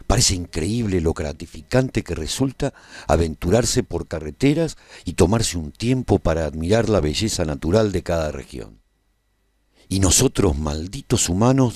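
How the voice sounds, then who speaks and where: An actor playing a tender, reflective survivor who narrates a post-apocalyptic radio serial in a measured, solemn way. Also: male voice, low-pitched, a little mellow, slightly rough, dry recording, studio quality, exaggerated voice. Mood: bitter. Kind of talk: scripted first-person narration for a radio serial.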